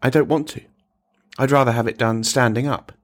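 A man voicing a reluctant male churchgoer in a story, polite, weary and quietly ironic in his stubbornness. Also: mid-range voice, steady tone, fairly quick, natural voice. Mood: pleading, stubborn.

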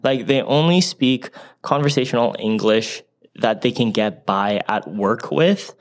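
A man in the co-host seat of a relaxed podcast, talking in a friendly, chatty way. He keeps the conversation moving and sounds upbeat, with a voice sitting right in the middle of the male range. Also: mid-range voice, unhurried. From raised in a Korean immigrant family. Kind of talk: casual chat.

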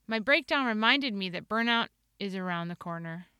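A woman's voice: medium pitch, lively intonation, normal speed, pushed and bright, clear, resonant tone, no echo, clean studio sound. A woman in her forties with a Midwestern American accent, hosting a solo podcast in an upbeat, earnest and playful way. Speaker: podcast host.

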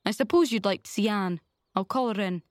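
Storybook role: woman as stern guardian, dry, firm, measured, unshowy, closely recorded. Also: mid-range voice, no echo, lightly acted.

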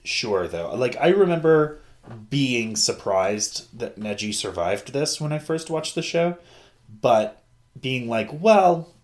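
A man's voice: medium pitch, big pitch swings, slow. A man hosting a podcast in casual, joking chat, rambling off on tangents with the odd swear word. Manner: jokey, rambling, digressive, mildly profane. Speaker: podcast host. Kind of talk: casual chat recapping an anime.

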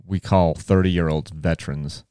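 Low-voiced man, rambling interviewer. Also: steady tone, measured pace, warm tone, clean tone, dry recording, studio quality. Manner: rambling, restarts questions often. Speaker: podcast host. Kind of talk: casual interview.

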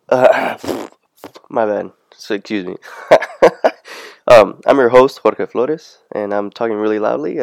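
A man's voice: lowish voice, gravelly, smooth, dry recording. A man hosting a casual solo podcast, talking in a rambling, hesitant way and often losing his thread. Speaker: podcast host. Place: standing in the middle of his room at home.

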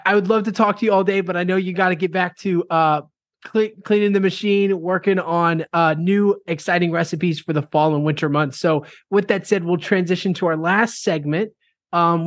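A man's voice: high-pitched, fairly even intonation, normal speed, a bit bright, dry recording, studio quality. A man hosting a casual interview, upbeat and repeating himself, with some fillers. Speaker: podcast host.

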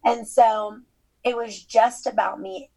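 A woman's voice: fairly high pitch, takes it slowly, vocal fry, husky, rough recording. A woman guest telling her story casually and animatedly, acting out bits of conversation. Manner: animated, informal, acts out quoted exchanges. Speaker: podcast guest, author.

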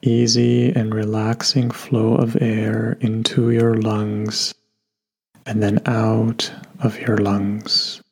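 A man leads a guided meditation at a very slow pace, with long pauses between gentle instructions. His voice is soft-edged and husky, with little melodic movement. Faint music plays behind him. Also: fairly low pitch, completely flat delivery. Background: soft background music.

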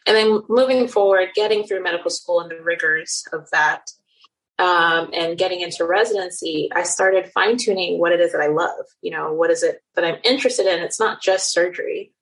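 A woman's voice: on the low side, fairly quick, a bit bright, poor audio. A woman in her thirties from Nigeria and the Netherlands with a general American accent, a surgeon answering interview questions in an earnest, reflective way. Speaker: cosmetic surgeon guest. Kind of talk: interview conversation.

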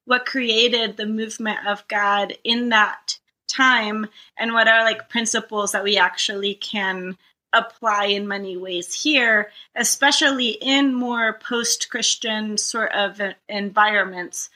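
A woman's voice: medium pitch, takes it slowly. A woman from Costa Rica, a guest in ministry, talking casually with fillers like "like". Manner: relaxed, conversational, uses filler "like". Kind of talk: casual interview chat.

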